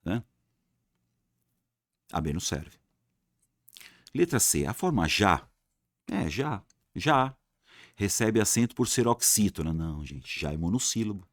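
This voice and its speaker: A man's voice: fairly low pitch, big pitch swings, moderate pace, no echo, studio quality. A Brazilian man teaching Portuguese grammar for exams in a casual, colloquial way. He repeats key words to drill them and asks his students questions, then answers them himself. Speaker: Portuguese teacher for exam prep. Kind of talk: online grammar lesson.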